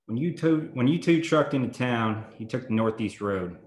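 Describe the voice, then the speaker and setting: A man's voice: mid-range voice, animated, normal speed, roomy sound, close to an everyday voice. A man reading the part of a blunt, defiant man leading strike plans, with some cursing, at a table read. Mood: determined.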